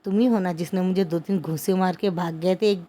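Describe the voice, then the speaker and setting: A woman's voice: on the low side, fairly even intonation, a little fast, dark tone, lightly acted. A woman voicing an arrogant young man, a boss who answers rudely and makes threats. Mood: threatening. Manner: rude, threatening retorts. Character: arrogant young male boss, rude then smitten.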